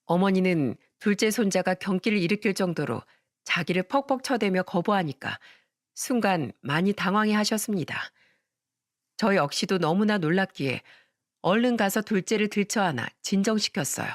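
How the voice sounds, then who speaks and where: Man narrator for story radio, calm and reflective, dry close sound. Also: high voice, moderate pace, no room sound.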